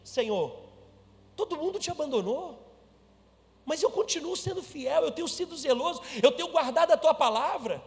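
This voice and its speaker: A man's voice: extremely high pitch, expressive, moderate pace, in a large hall, pitched above the performer's own voice. A man voicing a despairing, lonely old male prophet who pleads in a strained, raised voice.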